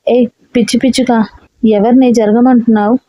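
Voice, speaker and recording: A woman's voice: a little high, steady tone, normal speed, mellow, dry recording, dull audio, lightly acted. A woman reading a story aloud and voicing a bossy, irritable young man who scolds the heroine. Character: gruff bossy young man, a rowdy hero.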